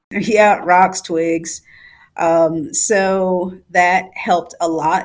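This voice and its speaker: With an American accent and an ordinary speaking voice, a woman talks at a fairly low pitch with fairly even intonation in a very clean recording with a silent background. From New Jersey. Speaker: college teacher. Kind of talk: interview.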